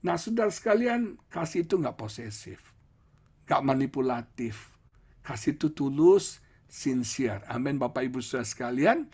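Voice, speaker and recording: A male pastor preaching and then praying, with lively emphatic peaks and playful asides to the congregation. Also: medium pitch, moderate pace, breathy edge. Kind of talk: sermon and prayer. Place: church prayer service.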